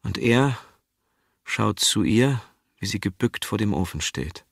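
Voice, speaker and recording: A man narrating an audiobook in a slow, hushed manner, dwelling on repetitions. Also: lowish voice, expressive, vocal fry, breathy edge, no echo, clean studio sound.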